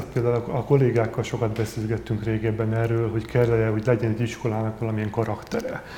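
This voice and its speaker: A man rattles along at a very fast pace with hardly any pauses, his intonation monotone and flat. Noticeable background noise sits under him. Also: medium pitch for a man. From Hungary, Zala county (Nagykanizsa). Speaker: painter and art professor. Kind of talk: interview. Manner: halting, with many repetitions.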